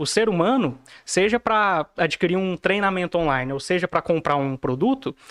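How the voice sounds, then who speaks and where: In a very clean recording with a silent background, a man with a high voice speaks with lively intonation, the sound dry and close with no echo. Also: moderate pace. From Brazil, Goiás (Anápolis). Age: 20s. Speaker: marketing specialist. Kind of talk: podcast interview.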